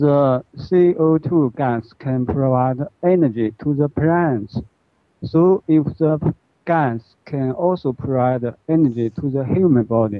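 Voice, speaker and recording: The speaker has a Chinese accent and a very slow pace. Pitch variation is ordinary. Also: man, fairly high pitch for a man. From China. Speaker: audience member asking a question. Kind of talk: question in live Q&A. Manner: halting.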